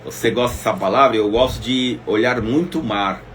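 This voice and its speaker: Male preacher, middle-pitched, intimate and emotive, addresses the listener directly; faint room hum. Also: brisk. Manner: emotive, swings between loud exclamations and soft asides; speaks directly to listeners as "minha irmã". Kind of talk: devotional Bible teaching.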